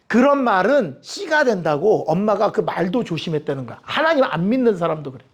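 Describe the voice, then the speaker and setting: This man speaks in a high, husky voice at a brisk clip while leading a Bible study. He's lively and funny, quizzing his audience and acting out the voices of the people he quotes.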